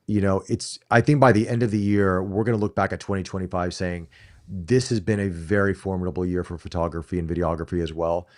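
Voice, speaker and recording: A middle-aged American man co-hosting a casual live-stream chat, talking emphatically and often restarting his phrases. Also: low voice. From United States. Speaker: co-host.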